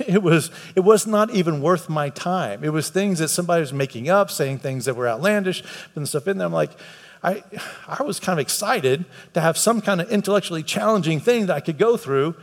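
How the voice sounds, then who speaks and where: Earnest preacher in a reverberant hall. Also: male voice, a little high, expressive, fairly quick. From United States. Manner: earnest, repeats words for emphasis, voice climbs when stressing a point. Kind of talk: conversational sermon. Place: church hall with a live congregation.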